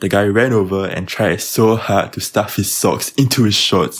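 A man with a Singaporean accent speaks at a fairly low pitch. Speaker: national service veteran. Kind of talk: anecdote sharing.

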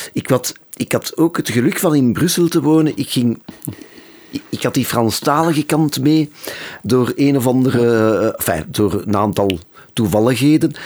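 In a normal speaking voice, a man talks at a medium pitch and moderate pace. His intonation is lively. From Brussels, Belgium (Anderlecht). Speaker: session bassist and producer. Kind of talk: casual interview. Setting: studio.

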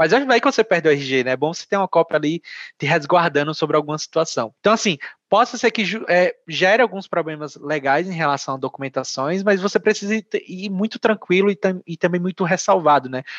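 A man's high voice, fairly quick, with lively intonation and a northeastern Brazilian accent. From Brazil, Northeast (Natal, Rio Grande do Norte). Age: 20s. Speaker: SEO team lead, former student. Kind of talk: podcast interview.

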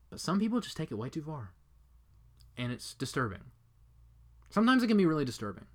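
A man with fairly high pitch, a very fast pace broken by long, frequent pauses, big swings in loudness and very wide pitch swings. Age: 20s. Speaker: podcast host and YouTube creator. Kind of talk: solo casual podcast monologue.

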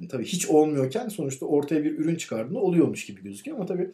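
Here a man talks at a fairly quick pace in a fairly high voice. His tone is dark and mellow, with vocal fry. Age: 30s. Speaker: leather craftsman. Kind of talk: casual chat. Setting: recorded in Ankara.

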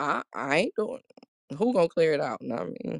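Over a very clean, silent background, a woman with vocal fry speaks at a moderate pace, her pitch swinging very widely in a dry, close sound with no echo. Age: 50s. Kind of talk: devotional talk. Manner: hesitant, many fillers.

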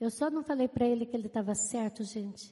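Speaking at a moderate pace, a woman has an unremarkable speaking voice with a fairly high pitch. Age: 60s. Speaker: pastor. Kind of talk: sermon.

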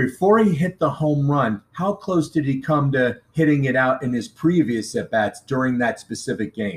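A man with an American accent and an ordinary speaking voice talks at a moderate pace, pitched fairly high. His intonation is lively, and he hardly pauses at all. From New Jersey. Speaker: podcast host. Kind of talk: interview.

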